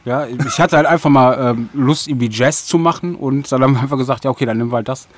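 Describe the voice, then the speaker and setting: A man's voice: mid-range voice, fast. A man chatting casually as an interview guest, polite and informal in his way of talking. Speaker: audio drama editor and composer, interview guest.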